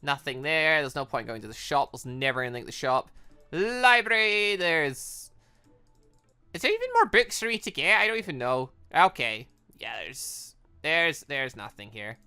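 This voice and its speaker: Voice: mid-range voice, very animated, moderate pace, pushed and bright, clear, resonant tone, faint music behind. A British let's play host giving casual commentary on a game, rambling and thinking aloud. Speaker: gaming video host.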